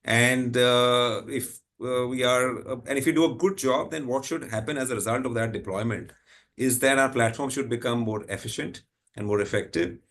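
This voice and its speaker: A man's voice: mid-range voice, normal speed, a bit bright. A man with an Indian accent giving unscripted executive answers on an earnings call, rephrasing as he explains and tagging points with "right?". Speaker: company executive answering analysts.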